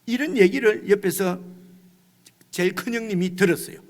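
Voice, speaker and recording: Lively high-voiced male pastor in a reverberant hall. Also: normal speed. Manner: conversational preaching, often asking "right?"; acts out quoted lines with rising intensity. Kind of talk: sermon. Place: church sanctuary.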